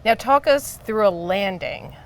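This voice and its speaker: A woman's voice: mid-range voice, animated, measured pace, a little hiss or hum. A woman hosting an on-location interview as a presenter. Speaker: host.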